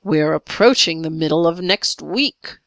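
A woman reader acts out a grandiose pirate chief in a storybook. The delivery is slow and solemn, with sweeping intonation. Each phrase is declaimed with lofty courtesy, in a close, dry sound. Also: on the low side, very animated, vocal fry, a bit bright, dry recording, full character voice. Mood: grave, lofty. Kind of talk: storybook character voice.

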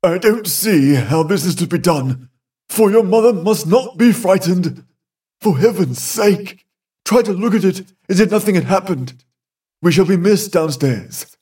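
Blustery old gent the narrator puts on, husky and slow, kinda far off the mic. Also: male voice, sits high, animated, a little mellow, voice pushed up, exaggerated voice. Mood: grave. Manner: blustering, exclaiming, then commanding. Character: flustered elderly gentleman, father of the house.

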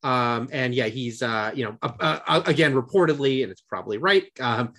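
A man's voice: mid-range voice, normal speed, pushed and bright. A man co-hosting a podcast in casual chat, chatty and full of fillers and restarts. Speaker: podcast co-host.

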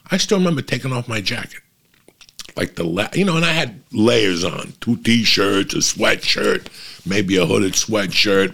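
Guy comedian, low gravelly voice, cursing every other word, just rambling. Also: fairly bright tone. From New Jersey. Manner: profane, blunt storytelling. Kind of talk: casual rambling monologue.

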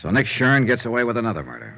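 A dry, wry radio investigator. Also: male voice, medium pitch, sing-song, racing, vocal fry. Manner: dry, matter-of-fact, businesslike. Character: tough, wry male insurance investigator. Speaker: insurance investigator lead. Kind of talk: 1950s radio drama acting and narration. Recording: dull old radio broadcast with faint hiss.

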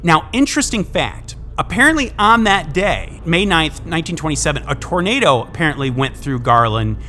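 Lively, bright-voiced man telling spooky tales. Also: on the high side, normal speed, a little hiss or hum. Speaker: co-host telling ghost stories. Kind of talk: spooky storytelling with casual chat.

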